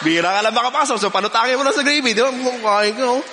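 A high-voiced man preaches a sermon, telling a story from his own life in an animated way. He laughs often as he speaks. His voice rings out through a large hall that carries a long reverb. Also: racing, a little hiss or hum.

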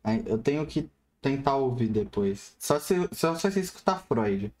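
A man's voice: medium pitch, big pitch swings, moderate pace, darkish tone. A man with a Brazilian Portuguese accent hosting a casual, slangy chat. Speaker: host of a drawing chat show.

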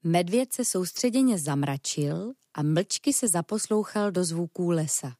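A woman narrating a children's storybook in a calm, even storytelling manner. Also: fairly low pitch, no echo, clean studio sound.

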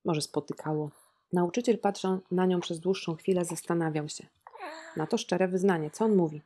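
A woman's voice: fairly low pitch, normal speed, mellow. A woman in her thirties discussing a novel on a podcast, ironic and reflective, with frequent hesitations and rhetorical questions. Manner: asks listeners rhetorical questions.

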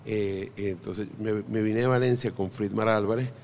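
A man's voice: on the low side, steady tone, moderate pace, gravelly, a little mellow, a little hiss or hum. A middle-aged Venezuelan man, a podcast guest, chatting casually and telling anecdotes with jokes and frequent restarts. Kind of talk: casual interview chat.

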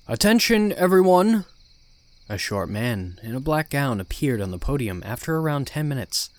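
A man narrating a first-person horror story as the podcast's narrator, in a calm, even telling. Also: medium pitch, moderate pace.

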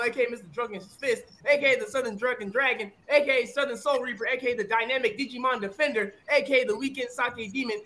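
A man introducing himself as a podcast guest with a rapid-fire, profane roll call of nicknames. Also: very high-pitched, pushed and bright. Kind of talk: hype self-introduction.

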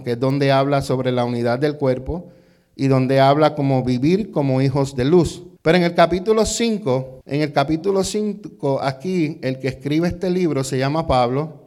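Pastor de voz aguda predicando con énfasis. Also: male voice, a little high. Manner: preaching with call-and-response questions to the congregation; repetitive, emphatic rising delivery. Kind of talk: sermon.

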